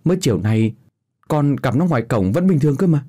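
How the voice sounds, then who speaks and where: An alarmed uncle fires off anxious, disbelieving questions, as a man narrating a horror story speaks for him. The voice is mellow and husky and moves around a lot in pitch. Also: animated, fairly quick, close to an everyday voice.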